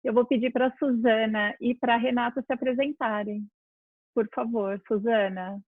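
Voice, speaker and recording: A woman moderating a live talk, brisk and polite. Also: a little high, steady tone, no echo. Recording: tinny dry phone-like line.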